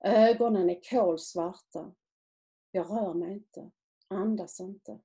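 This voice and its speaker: A woman author reading aloud from her own novel in a measured, quiet literary manner. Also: medium pitch.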